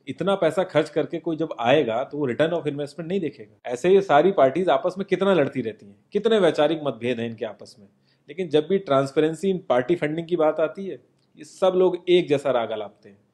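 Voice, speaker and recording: Young man, earnest and informal, slightly high voice, mellow tone, seated studio monologue. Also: lively intonation, a little fast. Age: young adult. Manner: earnest, informal, addresses the viewer as "yaar". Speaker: social commentary presenter. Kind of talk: scripted monologue to camera. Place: indoor home studio, seated.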